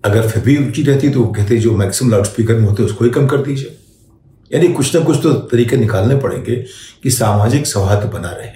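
Older man, opinion host, dark mellow tone, deliberate delivery, rhetorical questions, faint background noise. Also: medium pitch, reverberant. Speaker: journalist and show host giving opinion. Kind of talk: spoken opinion commentary on current affairs.

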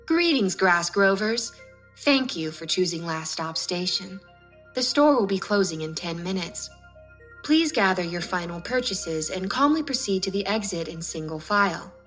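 A woman voicing a composed, eerie store announcer, speaking calmly and formally as an in-store announcement over the speakers. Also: fairly low pitch, moderate pace, soft background music. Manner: calm, formal, politely scripted.

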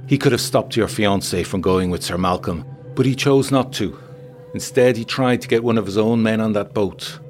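Man voicing an urgent, worldly woman, pitched up. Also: normal speed, soft background music, natural voice. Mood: grave warning. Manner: grave, insistent warnings in formal phrasing with tag questions. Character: urgent, worldly, theatrical woman intriguer in colonial Egypt.

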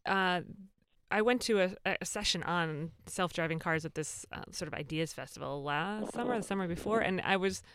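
A woman co-hosting a panel discussion, chatty and lively, quick to joke. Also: lowish voice, smooth, no echo, clean studio sound.

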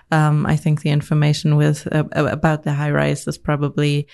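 Woman from germany, interview guest, gravelly yet smooth, flat delivery, studio podcast. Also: deep voice. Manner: thoughtful, with frequent fillers and restarts. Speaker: guest, media company CEO. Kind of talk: reflective interview conversation.

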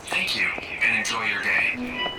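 A man voicing an impersonal male announcer whose formal, level words come over the intercom of a corporate facility in a sci-fi radio drama. The voice sounds distant and echoey, with a lively pitch, and it sits under loud music. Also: a little slow. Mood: announcing. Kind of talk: audio drama.

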